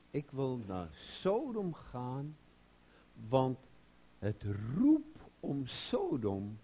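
A man preaching a sermon, slow and emphatic, rising loud and high when he quotes scripture.

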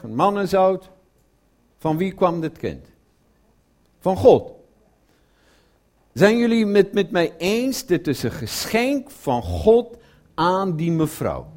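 This is a man preaching, retelling a Bible story with a darkish tone. When he reaches quoted lines he drops to a low murmur, and he often turns questions toward his audience.

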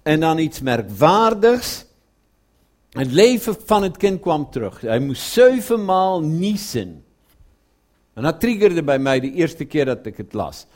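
A man preaching a sermon who retells a Bible story, drops to a low murmur for quoted lines and puts questions to his listeners. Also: big pitch swings, slow pace, a little mellow.

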